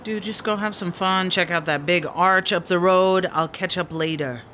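A woman's voice: lowish voice, normal speed, a bit bright, slight background noise, lightly acted. A woman playing a headstrong, aggrieved female musician in a radio drama, speaking in a blunt, slangy, dismissive way. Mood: irritated. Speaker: actor in a serialized radio drama. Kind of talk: naturalistic radio drama acting.

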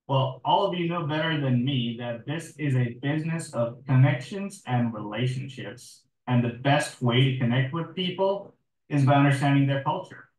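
A man's voice: mid-range voice, echoey room, far from the mic, poor audio. A man from southern India presenting a webinar on his country's culture, in a conversational way with fillers and restarts. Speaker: guest speaker on company culture.

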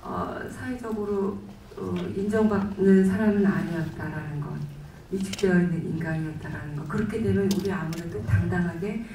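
A middle-aged woman speaks into a handheld mic on a hall stage, her voice mellow and low in brightness. She talks chattily and acts out her own earlier remarks. The sound is booming and roomy, picked up from a distance. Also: normal speed, slight background noise. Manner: chatty, quotes herself in lively asides. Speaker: actress at a press conference. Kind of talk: press conference answers. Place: large event hall stage, seated.

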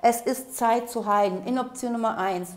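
A woman reads tarot cards for her viewers from a table set with candles, her slightly high voice still hoarse from a recent cold. She talks in a coaxing, repetitive way and addresses the listener directly. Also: normal speed. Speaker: tarot reader. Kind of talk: interactive tarot reading to camera.

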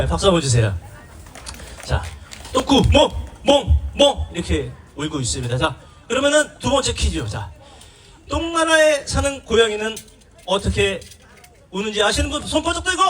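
High-voiced man hyping a festival crowd. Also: sing-song, moderate pace. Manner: loud playful banter, teases the audience, runs quizzes. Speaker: pumba performer and emcee. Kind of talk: live stage singing and crowd banter. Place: outdoor festival stage. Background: live music and crowd.

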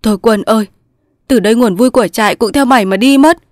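A woman voicing a young male resistance soldier, pleading in loud sobbing outbursts in a storybook reading. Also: on the high side, brisk, dry recording, studio quality, pitched above the performer's own voice, natural voice. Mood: grieving.

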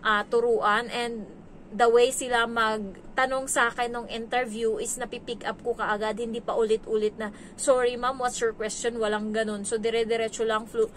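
Chatty woman with a higher voice. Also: flat delivery, moderate pace, a bit bright, slight background noise. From Philippines. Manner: chatty, acts out quoted dialogue. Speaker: domestic helper vlogger. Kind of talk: casual storytelling vlog.

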